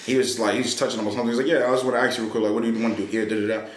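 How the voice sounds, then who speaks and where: Man, casual podcast chat, fast and lively, roomy studio echo. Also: mid-range voice, a little hiss or hum. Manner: animated, swearing, acts out quotes in a raised voice. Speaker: podcast guest.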